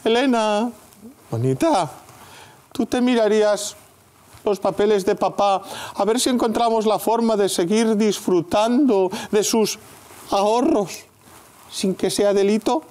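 A man's voice: high voice, unhurried, long pauses, a little mellow. An actor playing a smug, easygoing king who shrugs off scandal. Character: smug, lazy king in a suit. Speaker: satirical sketch actor. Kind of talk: sketch comedy acting.

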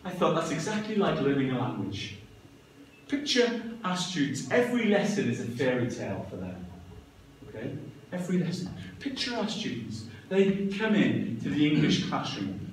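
A man in his fifties giving a live talk as a storyteller and teacher trainer, with an animated, theatrical, emphatic delivery. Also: fairly high pitch, normal speed. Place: medium-sized classroom, indoors. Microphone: distant camera microphone. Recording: echoey room, far microphone, background noise.

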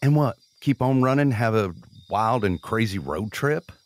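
Weary, wry man with lively pitch played by actor. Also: measured pace, lightly acted. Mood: wry, resigned. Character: weary, resigned injured man, self-deprecating. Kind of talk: naturalistic audio drama acting.

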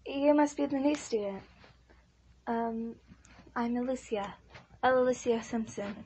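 A woman's voice: a little high, measured pace, warm tone, slight background noise, voice pushed up, natural voice, low-quality recording. A woman voicing a shy, insecure teenage schoolgirl in an improvised ASMR roleplay, hesitant and apologetic. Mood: shy, nervous.

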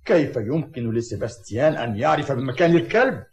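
A man voices a gruff old cartoon grandfather, protective and quick to challenge. His pitch swings widely. The sound is echoey and a little dull. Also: animated, darkish tone, natural voice. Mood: defensive. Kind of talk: dubbed cartoon acting. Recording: echoey, slightly dull audio.

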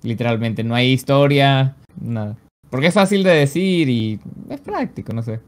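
A Venezuelan man in his mid-twenties talks over a headset on a video call from a small home streaming room. His storytelling is relaxed and rambling, and he leans on fillers like "básicamente" and "o sea.". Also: medium pitch, normal speed. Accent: Venezuelan Spanish. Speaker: guest, esports caster and pro player.

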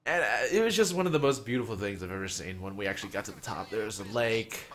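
A man's voice: on the low side, animated, fast, fairly bright tone. A man rambling casually and swearing as he livestreams a game. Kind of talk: casual livestream chat over gameplay.

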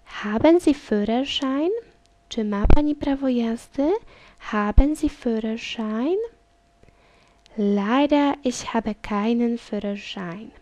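Mellow-voiced woman reading a lesson. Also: a little high, no room sound. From Poland. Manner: reads each line in German, then in Polish, then repeats the German slowly. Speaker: German teacher. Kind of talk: reading a language lesson dialogue.

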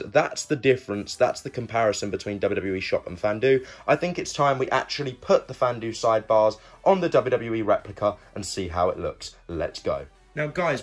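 A young man hosting a casual, chatty video review, talking informally and directly to his viewers. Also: medium pitch. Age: young adult. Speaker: YouTube host and product reviewer.

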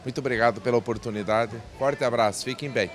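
Older guy, bank president at a fair stand, slow careful talk, handheld mic. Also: mid-range voice, steady tone. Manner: measured, repeats and restarts phrases. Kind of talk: event interview. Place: indoor event stand with backdrop.

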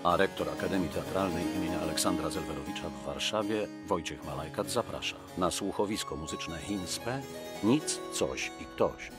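A man's voice: deep voice, moderate pace. A man reading a scripted introduction as a radio announcer. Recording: loud music under the voice.

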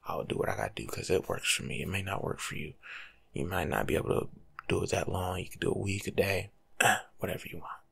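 A young man doing soft-spoken ASMR as a laid-back, rambling life coach, husky and often slipping into a whisper. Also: deep voice, animated, quick pace. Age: young adult. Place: small room at home.

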